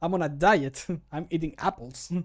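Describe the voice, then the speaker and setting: Joking, higher-voiced man chatting casually. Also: moderate pace. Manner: joking, self-mocking, sweary. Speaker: streamer recording mod voice lines. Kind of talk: casual chat to viewers. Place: small room at home, indoors.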